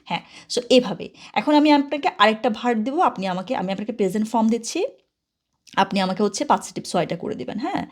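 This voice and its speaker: A woman teaching a German grammar lesson in Bengali, patient and steady, often pausing to ask whether the students follow. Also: on the high side. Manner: patient, asks many checking questions. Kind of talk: classroom-style grammar lesson.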